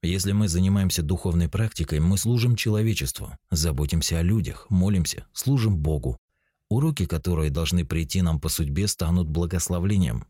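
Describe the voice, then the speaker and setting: A man in his forties calmly explaining spiritual ideas, speaking straight to the listener as narrator of a self-help book. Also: deep voice, brisk, slightly rough, dry recording, clean studio sound. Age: 40s. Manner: calm, explanatory, addresses the listener directly.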